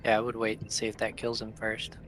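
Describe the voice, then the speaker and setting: A man's voice: on the low side, monotone, brisk, a bit bright, slight background noise. A man chatting casually as a player in a tabletop game. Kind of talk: casual chat.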